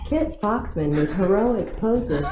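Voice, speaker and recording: Woman doing toy commercial announcer, mid pitch, really noisy echoey audio. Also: lively intonation, slow pace.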